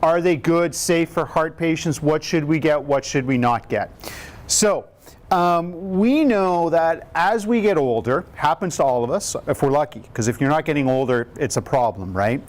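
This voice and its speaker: A man in his fifties with a booming voice leads a live question-and-answer session, explaining health matters in plain, upbeat talk. He pitches a little high and keeps turning to the room with rhetorical questions. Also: animated, moderate pace. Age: 50s. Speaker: cardiac rehab educator.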